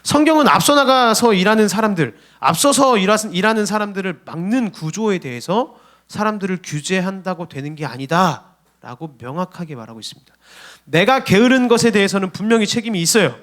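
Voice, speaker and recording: Brief: young male pastor, higher-pitched voice, animated sermon to a youth service. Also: fairly quick. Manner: lively, storytelling preacher addressing youth. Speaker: junior pastor. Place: church sanctuary.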